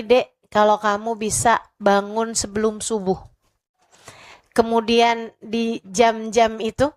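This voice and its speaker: Lively woman preacher telling stories. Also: fairly high pitch. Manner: lively storytelling, acts out voices of the people in her stories. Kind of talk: sermon to young women.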